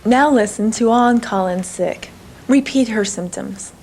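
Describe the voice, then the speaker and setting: A woman narrating an English lesson in a clear, measured teacher's delivery. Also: fairly high pitch, darkish tone. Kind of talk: scripted instructional narration.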